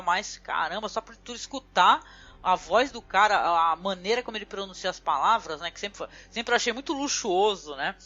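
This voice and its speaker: A woman's voice: medium pitch, fairly bright tone. A woman from Brazil hosting a podcast in casual chat, talking loosely and filling constantly with little tag words. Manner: chatty, fills with "né" constantly. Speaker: podcast host. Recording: dull lo-fi audio with faint music.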